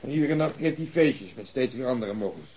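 An actor playing a bitter, bossy police detective in a radio drama, stern and cutting in manner. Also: male voice, medium pitch, expressive, a little fast, mellow, a little hiss or hum, natural voice, rough recording. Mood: wry, grumbling.

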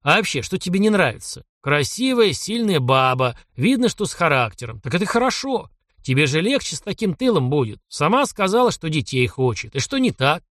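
A man doing a gruff bossy old grandfather. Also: on the high side, sing-song, fairly quick, hardly any pauses, fairly bright tone, dry recording, clean studio sound, pitched above the performer's own voice. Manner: blunt, teasing, commanding.

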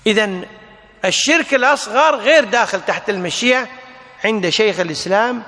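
A man teaching a religious lesson, explaining a text deliberately and repeating key phrases for emphasis. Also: high voice, animated, pushed and bright, long reverb tail. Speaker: Islamic teacher.

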